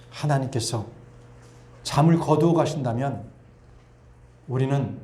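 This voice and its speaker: A middle-aged male pastor preaching an earnest sermon, sometimes softly voicing God's gentle words. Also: mid-range voice. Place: church sanctuary. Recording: echoey church hall.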